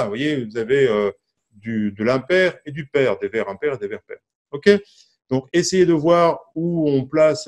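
Man teaching music, mellow voice. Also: mid-range voice. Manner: chatty, many fillers and restarts, counts and sings syllables. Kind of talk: casual online music lesson.

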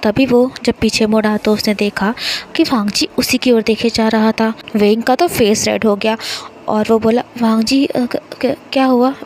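A woman's voice: fairly high pitch, fairly even intonation, moderate pace, darkish tone, a little hiss or hum, rough recording. A woman narrating a romance fanfiction, giving each character a slightly lifted voice for their lines. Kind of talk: storytelling narration.

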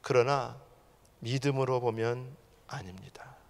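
A man pastor preaching a fervent sermon in a church sanctuary. He keeps addressing the congregation directly and swings between loud outbursts and hushed asides. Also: mid-range voice, measured pace. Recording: long reverb of a large church hall.

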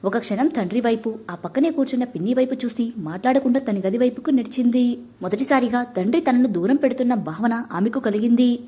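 A woman narrating a family drama in a steady, measured storybook reading. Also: fairly high pitch, slightly rough.

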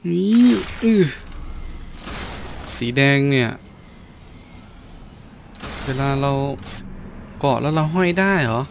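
Slow-paced man commentating gameplay in slangy speech. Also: fairly high pitch, big pitch swings, creaky, a little hiss or hum. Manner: coarse slangy exclamations, talks to enemies. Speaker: gaming YouTuber. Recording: game music behind the voice. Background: video game music and sounds.

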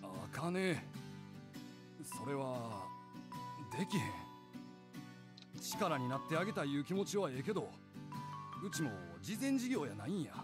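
A man voicing a stern but caring middle-aged father with a Kansai accent in a visual novel, speaking in a measured, admonishing way. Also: fairly high pitch, sing-song. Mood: firm, regretful. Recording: game audio with music behind.

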